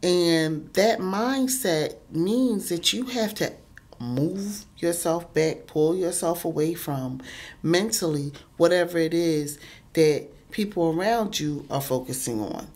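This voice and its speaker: A woman's voice: on the low side, animated, takes it slowly, a little mellow. A woman vlogger talking earnestly into her phone, stuffy-nosed and congested, with lots of ums and repeated words. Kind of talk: casual motivational talk to camera.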